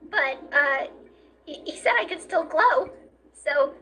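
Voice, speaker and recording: A woman's voice: sits high, lively intonation, slow pace, sharp tone, soft background music, heavily acted. A woman voicing an innocent, hopeful little brother in a comic dub, earnest and hesitant.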